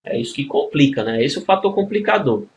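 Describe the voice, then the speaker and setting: A male grammar teacher with a Brazilian Portuguese accent, voice sitting a little high, explaining exam questions step by step. He keeps checking in with his students as a group while he works through each rule. A faint hiss of noise sits behind him. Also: sing-song, fast talker. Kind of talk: recorded exam-prep video lesson.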